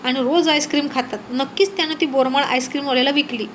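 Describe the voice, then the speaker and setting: A woman voicing a spiteful, lying village woman who throws shrill accusing taunts. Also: steady tone, fast talker, fairly bright tone, slight background noise.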